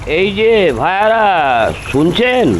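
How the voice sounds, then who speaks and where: A man's voice: sits high, sing-song, takes it slowly, slight background noise, voice pushed up, full character voice. An older man voicing a polite, friendly young man in a told story.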